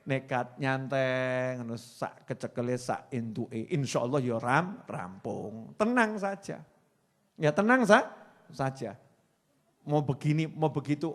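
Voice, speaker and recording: A man in his forties with a Javanese accent, preaching a playful Islamic sermon and acting out the voices he quotes. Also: mid-range voice. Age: 40s.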